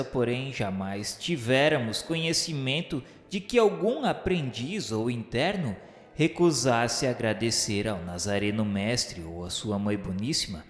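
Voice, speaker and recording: A man's voice: mid-range voice, lightly acted. A Brazilian man playing a remorseful male spirit who narrates a radio novela in solemn, formal, literary diction. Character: remorseful male spirit of a suicide recalling the afterlife. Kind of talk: dramatized first-person narration of a radio novela. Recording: echoey hall reverb with music.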